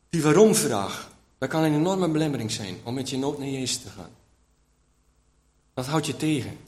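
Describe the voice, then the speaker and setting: A man teaching from the Bible in a conversational way, often checking in with his listeners. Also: medium pitch. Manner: chatty, keeps checking in with listeners. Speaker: preacher.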